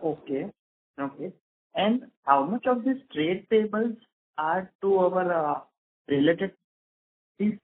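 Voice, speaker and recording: High-pitched Indian man on a phone line. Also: animated, slow pace, pauses often. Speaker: analyst asking questions on an earnings call. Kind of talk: business question and answer. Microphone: telephone conference call. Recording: narrow tinny phone line.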